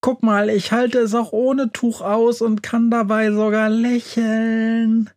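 A man's voice: very high voice, flat delivery, slow pace, darkish tone, pitched above the performer's own voice. A man voicing a squeamish, blunt little mouse in a children's audio story. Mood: backpedaling. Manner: whiny, blunt.

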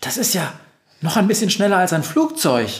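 Man voicing a curious storybook witch, eager, raised pitch, echoey. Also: expressive, slow pace. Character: kind, curious adult witch, female.

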